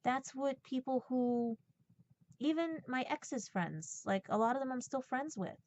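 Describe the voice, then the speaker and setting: A woman in her forties talks straight to her listeners in a personal rant. Her voice sits on the high side, and her delivery is blunt and sarcastic, punctuated with little checks for agreement. The recording is dull and lo-fi. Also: unhurried, darkish tone. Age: 40s. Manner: blunt, sarcastic, swearing, repeats checks like "right?" and "okay?". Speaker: podcast host. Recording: dull, lo-fi sound.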